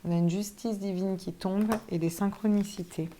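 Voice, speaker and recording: Reading tarot for viewers, a woman speaks warmly at a moderate pace in a medium-pitched voice with fairly even intonation. She's chatty, thinks aloud, and swears casually now and then, over slight background noise.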